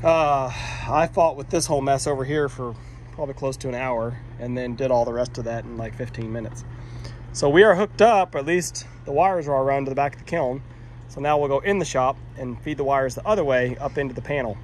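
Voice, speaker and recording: A man's voice: mid-range voice, fairly quick, slight background noise. A man talking casually outdoors while he works, explaining each step and poking fun at his own mistakes, recorded on a handheld phone. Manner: chatty, self-deprecating, explains as he works. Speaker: vlogger doing electrical work. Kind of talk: casual how-to walkthrough. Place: outdoors by a metal shop, rainy muddy yard.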